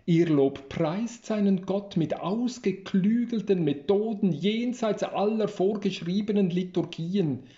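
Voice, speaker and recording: A round, motherly old housekeeper, read by a man, hurries and scolds in a storybook scene. She speaks slowly, in a mellow, fairly high voice. The recording sounds roomy and a little dull.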